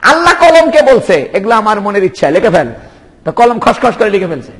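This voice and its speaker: A male preacher delivers a fervent sermon. His voice sits high and leaps through a lively range as he fires rhetorical questions and exclamations of praise. A long reverb rings around him as if in a hall. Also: a little fast. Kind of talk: Bengali waz sermon.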